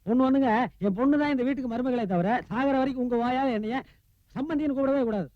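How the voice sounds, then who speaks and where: A man's voice: extremely high pitch, quick pace, no room sound, narrow, tinny audio. An actor playing a fawning, melodramatic male estate servant in a comedy, wailing and theatrically self-abasing. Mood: pleading. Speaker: loyal servant of a rich widow. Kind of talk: 1990s film comedy acting.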